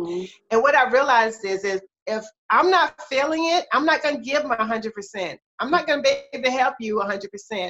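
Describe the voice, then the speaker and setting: A woman with an American accent speaks in a high, bright, sharp tone. Her intonation is lively. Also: moderate pace. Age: 50s. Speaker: relationship coach. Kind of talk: casual chat.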